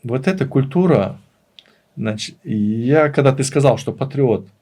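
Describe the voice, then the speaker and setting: Earnest man with a mid-pitched voice, explaining. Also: lively intonation, a little slow, dark tone. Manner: earnest, emphatic repetition of phrases. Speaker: interview guest, language teacher and author. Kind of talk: conversational interview, explaining and reminiscing.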